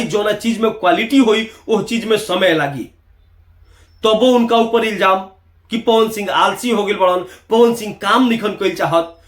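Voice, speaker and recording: Male online commentator, high voice, Bihari Bhojpuri accent, emphatic and rhetorical, roomy echo. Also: a bit bright. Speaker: YouTube commentator. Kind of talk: opinionated video commentary to viewers.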